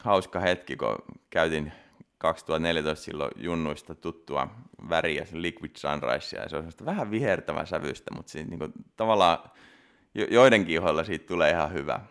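A man's voice: extremely low pitch, fairly bright tone, smooth. A man in his thirties, a competitor, telling a story in a casual interview with many restarts and fillers. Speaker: bodybuilding competitor guest.

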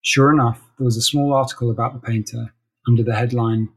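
A man narrates literary fiction in a measured storytelling style. His voice sits at a middling pitch and has a husky, less polished grain. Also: fairly even intonation. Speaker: narrator reading a short story.

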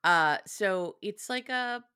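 A woman co-hosting a podcast in casual chat, telling stories in an animated, sweary way. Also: mid-range voice, slow, smooth. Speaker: podcast host.

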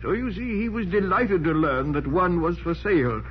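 Formal, high-voiced manservant. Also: male voice, animated. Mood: grave recounting. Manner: polite, formal, measured. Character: formal, deferential male household servant, precise and grave. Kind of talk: 1940s radio crime drama acting. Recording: muffled, noisy 1940s radio recording.

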